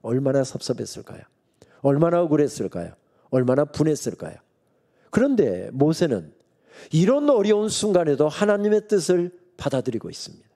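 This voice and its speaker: Lively, mellow-voiced Korean preacher man. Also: fairly high pitch, fairly quick, creaky. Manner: storytelling preacher who acts out God's and Moses' lines with humor. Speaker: guest pastor preaching at a revival meeting. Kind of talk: sermon. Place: church sanctuary.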